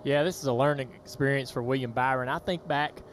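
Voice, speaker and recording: A man's voice: mid-range voice, brisk, a little hiss or hum. A man working as a racing analyst, talking emphatically and rising when he stresses a point. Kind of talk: studio commentary panel.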